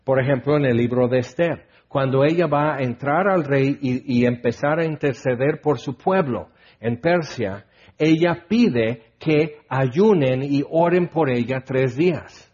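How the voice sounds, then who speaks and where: A man's voice: mid-range voice, a little slow, darkish tone, slightly rough. A man preaching a conversational sermon. He reads scripture aloud and keeps checking in with his listeners through questions. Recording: dull lo-fi recording.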